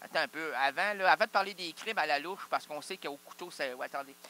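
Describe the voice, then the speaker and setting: The recording carries a little hiss or hum as a man with a Québécois French accent performs an improvised, absurd comic monologue. He rambles through wordplay, questioning and answering himself, in a fast, pushed, bright voice on the high side.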